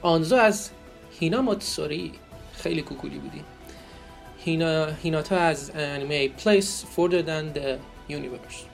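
A man's voice: a little high, gravelly, soft background music. A man co-hosting a podcast, announcing poll results in casual chat, joking and asking playful questions. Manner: joking, laughs often, asks rhetorical questions. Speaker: podcast co-host.

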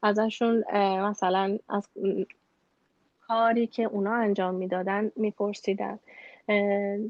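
A woman's voice: mid-range voice, level tone, a little mellow, dry recording. Hesitant Iranian woman, dull dry recording. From Iran. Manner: hesitant, halting, mixing in English loanwords. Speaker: interview guest, bank employee. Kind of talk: conversational interview answers.

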